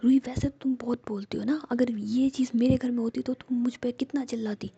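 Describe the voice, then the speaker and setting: A woman whispering the part of a hurt young woman who reproaches her partner with sharp questions. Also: a little high, steady tone, fairly quick, husky, no room sound, highs cut off. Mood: accusing.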